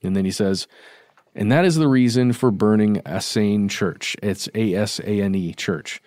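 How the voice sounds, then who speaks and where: A man's voice: on the low side, normal speed, a little mellow, dry recording, clean studio sound. A man co-hosting a podcast, talking things through in a casual, thoughtful way and qualifying his points. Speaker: podcast co-host. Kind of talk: casual discussion.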